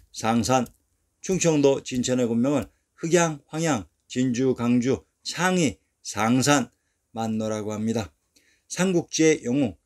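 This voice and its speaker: A man reads a history narration from a script at a steady, measured pace. His voice sits in an ordinary middle pitch. He counts off place names one at a time and drops lower and quieter at the end of each sentence. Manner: measured reading, falling and quieter at sentence ends.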